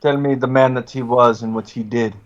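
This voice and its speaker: A man playing a courtly adventurer in a tabletop game, questioning someone in stilted formal phrases with deliberate pauses. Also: medium pitch, fairly even intonation, lightly acted. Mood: probing, formal. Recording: dull audio, music behind.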